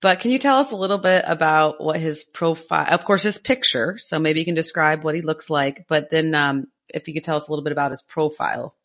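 A woman's voice: low voice, a little fast, few pauses, a bit bright. A woman hosting a podcast interview, asking questions in a friendly way and encouraging her guest. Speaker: podcast host.

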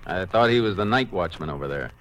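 An actor playing a steady, shrewd Texas Ranger in a clipped, matter-of-fact 1950s radio drama style. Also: male voice, deep voice, fast, a little hiss or hum. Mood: businesslike. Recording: old radio broadcast with music.

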